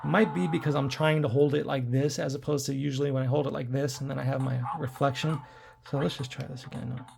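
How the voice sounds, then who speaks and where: Raspy, gravelly man chatting while gaming. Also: mid-range voice, level tone, fast, darkish tone, a little hiss or hum. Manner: rambling, chatty, talks to viewers while playing. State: hoarse from throat trouble. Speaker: tech reviewer playing retro games. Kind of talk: casual gameplay commentary.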